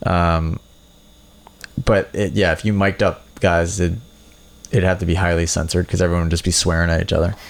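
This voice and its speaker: A man's voice: sits low, little pitch movement, moderate pace, creaky. Easygoing-paced man chatting on a podcast. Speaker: motocross rider and coach, podcast guest. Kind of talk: casual podcast chat, telling stories. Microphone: podcast microphone.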